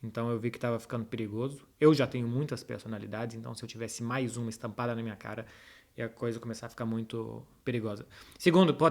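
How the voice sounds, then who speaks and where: A man's voice: medium pitch, a little mellow. A man with a Brazilian Portuguese accent talking informally and directly to his audience as the host of a football chat. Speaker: host answering viewers' football questions. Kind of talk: casual chat to followers, football analysis.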